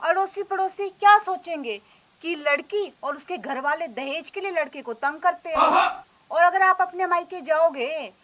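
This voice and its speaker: A woman's voice: very high-pitched, moderate pace, a bit bright. A woman playing a bossy scolding wife. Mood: coaxing. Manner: domineering, scolding. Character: bossy young wife, later a sharp mother-in-law. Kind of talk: comedy skit acting.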